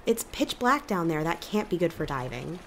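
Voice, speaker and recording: A woman's voice: fairly low pitch, sing-song, normal speed, a bit bright. A woman playing an anxious, practical young island woman in an audio drama, speaking bluntly and with worry. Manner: blunt, worried. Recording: water and ambient noise behind.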